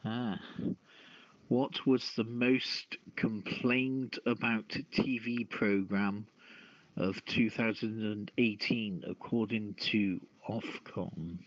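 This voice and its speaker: Man, casual quiz host, unhurried pace, dry muffled recording. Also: on the low side, steady tone, no room sound. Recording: dull lo-fi dry audio.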